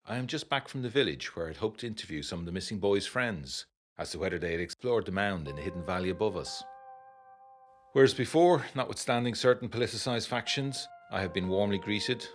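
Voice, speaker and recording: Actor as educated 1920s gentleman, deep voice, animated intonation, brooding, literary, gothic radio-play letter reading, light music behind. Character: troubled, educated 1920s gentleman writing to his fiancée. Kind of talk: gothic audio drama letter narration.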